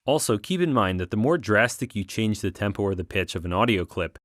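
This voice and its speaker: A man with a fairly low voice delivers scripted tutorial narration. He explains each step clearly, like an instructor guiding a learner through software. The recording is close and very dry, with no room sound. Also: lively intonation, brisk, dry recording.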